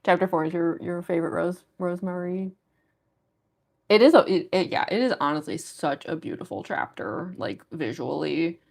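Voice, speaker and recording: A young woman with a gruff voice that is going hoarse, chatting casually with viewers on a livestream in a rambling way full of fillers. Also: lowish voice, moderate pace, darkish tone. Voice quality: gruff, smoker-like voice. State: losing her voice. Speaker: livestream artist. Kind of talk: casual chat with stream viewers.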